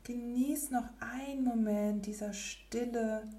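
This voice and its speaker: A woman leading a guided relaxation meditation in a soft, breathy, near-whispered spa voice with gentle pauses. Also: a little high, fairly even intonation, echoey room. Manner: slow, gentle, with long pauses.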